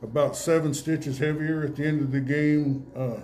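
A man hosting a casual awards interview in a folksy, rambling, halting way. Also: fairly high pitch, fairly even intonation, a little mellow, a little hiss or hum. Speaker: radio host interviewing high school athletes. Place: indoor room with guests present.

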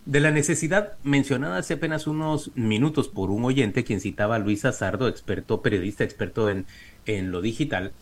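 A man hosting a radio talk show, introducing his guest in a formal, measured way. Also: medium pitch. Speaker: radio host.

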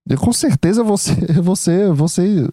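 A man's voice: high voice, lively intonation, a little slow, mellow, dry recording. A young man with a Brazilian accent giving a rambling casual opinion monologue, full of restarts and fillers. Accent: Brazilian Portuguese. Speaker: commentator.

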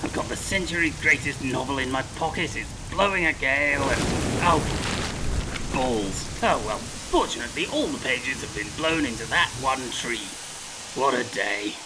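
An actor playing an arrogant, excitable novelist in a comedy audio drama, self-satisfied and exclamatory. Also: male voice, medium pitch, moderate pace, very noisy, lightly acted. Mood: bemused. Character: arrogant, excitable younger George Orwell, comic novelist.

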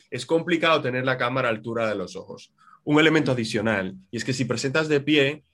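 A man from Spain with a Spanish accent, a communication trainer giving measured, instructive answers in an interview over a video call. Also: medium pitch, a bit bright. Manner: measured, instructive, slows down on key words.

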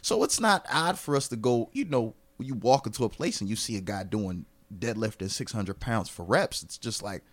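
A man who acts and lifts weights, a guest in a casual podcast chat, relaxed and swearing now and then. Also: on the low side, normal speed, few pauses. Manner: relaxed, swears casually, retells friends' words.

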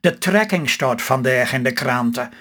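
A man's voice: medium pitch, expressive, unhurried, bright, forceful tone. A man with a Stellingwerfs accent voicing a talkative, hopeful older farm wife in a read-aloud story. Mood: eager. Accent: Stellingwerfs Low Saxon.

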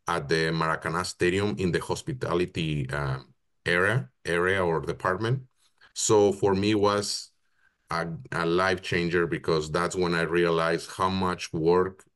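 Deep-voiced man. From Mexico. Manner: searching for words, many pauses and restarts. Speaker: football operations project manager, guest. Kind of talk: casual interview answers.

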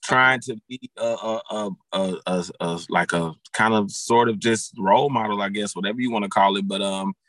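A man's voice: lowish voice, normal speed, few pauses, a bit bright, no echo. A man in his thirties, a guest and football coach, talking casually on a podcast with many fillers and restarts. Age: 30s.

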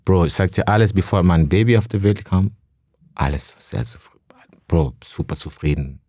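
A low, breathy-edged male voice from Burundi, recorded close and dry with no room around it. He is a young comedian speaking loosely, and he restarts his sentences and tosses in slang as he goes. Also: a little mellow, no echo. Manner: slangy, says "bro" often, halting restarts. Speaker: stand-up comedian, podcast guest. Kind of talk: casual emotional conversation.

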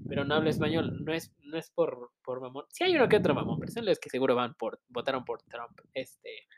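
A man's voice: mid-range voice, fairly quick, background noise. A man with a Mexican accent in casual conversation, talking loosely with slang and frequent fillers. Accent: Mexican Spanish. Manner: relaxed, colloquial, trails off with fillers. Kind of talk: casual chat.

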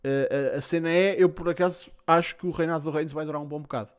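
A man's voice: fairly high pitch, fairly even intonation, fast talker, smooth. A man with a European Portuguese accent, hosting a podcast and reading out listener questions in casual, slangy talk with some swearing. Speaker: podcast host.

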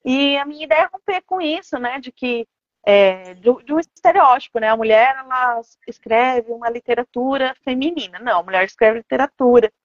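A Brazilian woman with a fairly high voice talks as an author in an interview. She explains things earnestly and conversationally, often adding little check-in tags. The sound is roomy and echoey, and somewhat dull and lo-fi. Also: animated, normal speed. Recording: echoey room, dull lo-fi audio.

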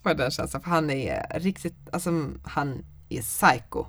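A young woman chatting casually, telling a story in a lively way and swearing often. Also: low voice, no room sound.

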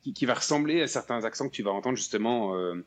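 A man's voice: medium pitch, fast talker. A man with a Swiss French accent from Geneva, a podcast guest chatting casually and hesitantly, with many restarts. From Switzerland. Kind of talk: casual interview chat.

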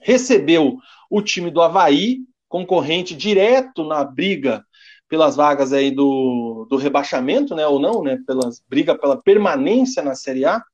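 A man's voice: on the high side, animated, measured pace, a little mellow, highs cut off. A Brazilian man co-hosting a casual sports podcast, reading standings and listener comments with a joking tone. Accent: Brazilian Portuguese. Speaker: podcast co-host.

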